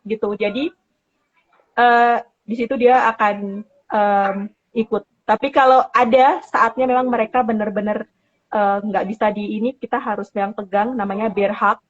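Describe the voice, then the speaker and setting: Higher-voiced woman on dull lo-fi call. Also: steady tone. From Papua, Indonesia. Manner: halting, mixes in English words. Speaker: interview guest. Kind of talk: casual online interview.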